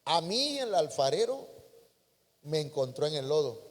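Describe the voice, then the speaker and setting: A man's voice: on the high side, very animated, a little slow. A man voicing a humble female clay cup recounting her shaping, plaintive, with a Mexican accent. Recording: long hall reverb.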